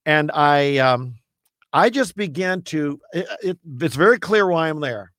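A man with a loud, earnest preacher's voice, pitched a little above most men. He speaks as a guest on a radio talk show, emphatic and full of restarts. The recording is dry and close, with no room sound. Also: lively intonation, measured pace, no room sound. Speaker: campus evangelist.

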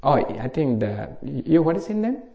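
A middle-aged Buddhist monk from Bangladesh with a Bangladeshi accent, giving an informal dharma talk in simple English at a meditation retreat. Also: male voice, fairly high pitch, very animated, moderate pace, creaky, dark tone, lo-fi sound.

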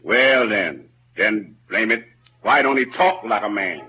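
Heard through a dull, lo-fi vintage radio recording with music and a little hiss or hum, a man plays kindly, simple-hearted Jim in a rural Southern dialect. He speaks a little slowly, sounding puzzled and earnest, his lively voice dipping into low mutters and rising to high exclamations.

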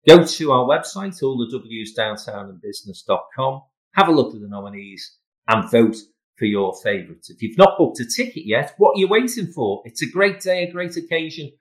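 A man's voice: mid-range voice, expressive, normal speed. A man speaking as a podcast host, presenting and promoting in an emphatic, salesman-like way. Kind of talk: podcast interview and promotional announcements.

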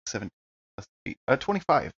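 Male tabletop player, casual chat, forceful bright voice with very animated intonation. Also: mid-range voice, fairly quick, lo-fi sound, slight background noise. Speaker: player in a tabletop roleplaying game.

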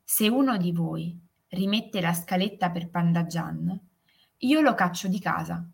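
A woman's voice: on the low side, measured pace, vocal fry. A woman voicing a stern, unbending father in a fairy tale. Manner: stern, firm.

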